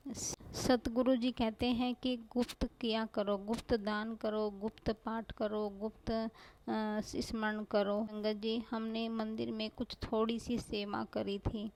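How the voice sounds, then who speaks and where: A woman's voice: fairly high pitch, level tone, slow, a little mellow, a little hiss or hum, low-quality recording. A woman giving a devotional testimony to a congregation, pleading and repeating herself like a prayer. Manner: pleading, repetitive prayerful address.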